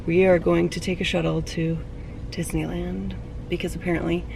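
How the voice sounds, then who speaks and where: A woman with a hoarse, fading voice, chatting candidly into a handheld camera for her vlog outdoors. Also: fairly low pitch, little pitch movement, normal speed. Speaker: vlogger. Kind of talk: casual vlog talk. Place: outdoors near traffic and parking lots. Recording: distant mic with street noise.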